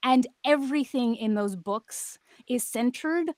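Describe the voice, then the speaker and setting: Woman on a panel, kinda high voice, really dry sound, chatty and conversational. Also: a little slow, a little mellow, dry recording. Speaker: podcast creator, panelist. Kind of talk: casual panel talk.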